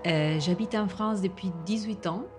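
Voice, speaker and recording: A woman's voice: medium pitch, normal speed, over music. A middle-aged woman from northern Italy with an Italian accent, talking casually as a podcast guest, hesitant, with many fillers and restarts. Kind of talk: casual interview talk.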